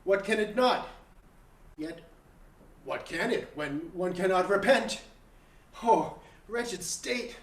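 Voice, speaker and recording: In a roomy, echoing space, some way from the mic, a male actor plays a guilt-ridden murderous king at prayer. He declaims classical verse very slowly, weighing each phrase in torment like a stage tragedian. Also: sits high, expressive, exaggerated voice. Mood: desperate pleading. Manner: declamatory, classical verse delivery with long pauses. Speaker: acting student. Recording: echoey room, distant mic, online stream.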